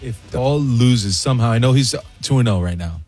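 A man's voice: medium pitch, expressive, moderate pace, a little mellow, slightly rough, soft background music. A man on a radio show, joining the banter in a playful, teasing way. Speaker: radio co-host. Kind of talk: studio banter.

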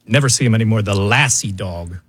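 Husky-voiced radio co-host man. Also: fairly low pitch, fairly quick, dry recording. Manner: upbeat, storytelling. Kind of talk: presenting a list segment.

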